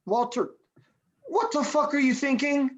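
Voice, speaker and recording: A man's voice: extremely high pitch, sing-song, unhurried, highs cut off, full character voice. A man playing a laid-back, bewildered slacker in a script table read, with a hesitant, drawling delivery. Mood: bemused, exasperated.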